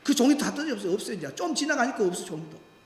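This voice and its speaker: His voice is extremely high-pitched and racing as he preaches a sermon in the church sanctuary, where the hall echoes. The pastor animates his stories by voicing the characters he quotes.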